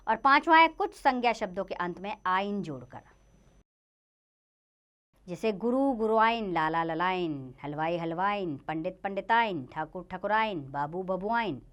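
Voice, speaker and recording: A woman's voice: mid-range voice, expressive, unhurried, a bit bright. A woman teaching a grammar lesson to children, reading word lists in a rising and falling lilt and speaking to them directly. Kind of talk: Hindi grammar lesson narration.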